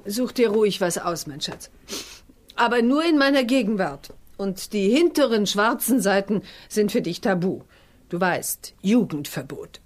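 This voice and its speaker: An actress playing a gentle but firm witch mother, measured and instructive, in a children's audio drama. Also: medium pitch, lively intonation.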